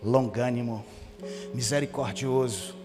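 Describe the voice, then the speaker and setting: A man preaching a sermon as pastor, telling lively family stories and acting out the dialogue. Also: medium pitch, measured pace. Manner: animated storytelling with quoted family dialogue. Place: church sanctuary. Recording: church hall reverb with music behind. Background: guitar music.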